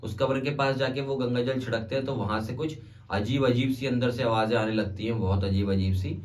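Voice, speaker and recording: A man narrating a spooky tale in an easygoing, chatty manner, looping back on phrases as he goes. His voice sits at a plain middle pitch and sounds a little distant from the microphone. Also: steady tone, fairly quick, a little mellow. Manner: conversational, repetitive fillers. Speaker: storyteller. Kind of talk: casual spoken horror storytelling.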